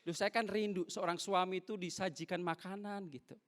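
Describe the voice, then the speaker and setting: Male pastor, high voice, lively sermon, acts out quick dialogues. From North Sulawesi, Indonesia. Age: young adult. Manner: lively, acts out little dialogues between husband and wife. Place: church.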